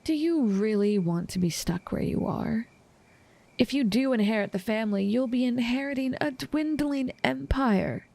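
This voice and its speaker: Creaky-voiced, smitten female assassin, acted by a woman. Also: a little high, lively intonation, a little mellow, no echo. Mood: coolly persuasive. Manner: teasing, formal, measured menace. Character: obsessive, smug female assassin smitten with her target. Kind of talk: intimate roleplay audio drama monologue.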